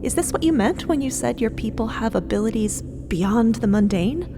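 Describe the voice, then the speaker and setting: A woman playing an earnest, self-conscious adventurer in an audio drama, talking in a casual, halting, awkward way. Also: a little high, lively intonation. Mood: impressed, excited. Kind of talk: scripted audio drama acting. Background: music.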